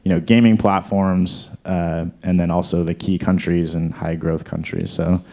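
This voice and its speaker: Moderator, man with a very low voice, measured questions. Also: level tone, creaky, mellow. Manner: measured, with fillers while framing questions. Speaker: panel moderator. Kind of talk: moderating a conference panel.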